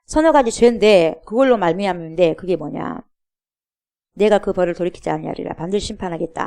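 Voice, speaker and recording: A woman's voice: mid-range voice, a little mellow. Woman pastor preaching with emphatic questions. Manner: emphatic preaching with repeated rhetorical questions to the congregation. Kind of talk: sermon. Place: church.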